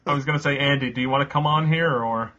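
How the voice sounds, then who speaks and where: A man's voice: mid-range voice, fast, muffled recording, noisy background. A man hosting a casual podcast quiz, reading out questions and answer choices and laughing often.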